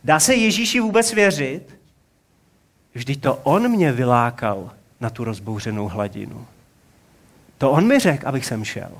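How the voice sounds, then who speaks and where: A man in his forties preaching a sermon in a relaxed, conversational way, asking rhetorical questions. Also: medium pitch, pauses often.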